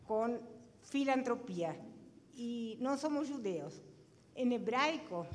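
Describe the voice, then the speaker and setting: A woman in her sixties from Chile with a Chilean Spanish accent, speaking deliberately in short phrases as a guest on a panel. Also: a little high. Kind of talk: personal account in an onstage interview. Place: stage in a conference hall with seated audience. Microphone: handheld microphone. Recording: reverberant hall, background room noise.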